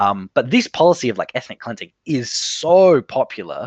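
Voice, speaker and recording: With no echo at all, the voice sounds dry and close against a quiet background. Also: man. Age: 20s. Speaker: podcast co-host. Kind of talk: casual chat. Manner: casual, with fillers.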